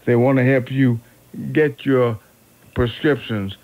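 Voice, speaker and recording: Halting male oldies DJ on narrow-band radio. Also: medium pitch, fairly even intonation, no room sound. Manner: halting, fumbling, self-correcting, repeats words. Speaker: radio DJ, host of an R&B oldies show. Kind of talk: unscripted radio oldies chatter. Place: radio studio. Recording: narrow, phone-like AM radio aircheck.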